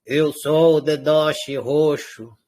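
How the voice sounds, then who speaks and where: Um homem fazendo um fantoche de dedo com voz grave disfarçada. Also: male voice, fairly high pitch, fairly even intonation, slow, darkish tone, pitched below the performer's own voice. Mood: declaring. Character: male finger puppet in a disguised deep voice. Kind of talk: playful demonstration in a talk.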